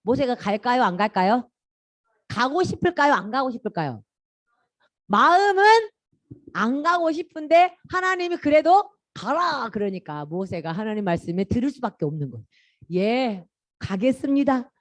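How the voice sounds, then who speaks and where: A woman telling a Bible story to children in Sunday school, animated and full of questions for her young listeners. Her voice sits fairly high and leaps expressively up and down. It is recorded close and dry, with no room echo. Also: normal speed. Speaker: children's ministry teacher. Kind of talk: children's sermon.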